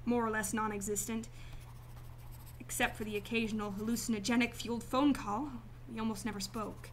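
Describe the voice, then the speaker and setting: A woman playing a guarded, emotionally detached client in a radio drama, speaking formally and deliberately. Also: on the high side, fairly even intonation, a little hiss or hum, close to an everyday voice. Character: cool, detached female client, guarded murder victim's sister.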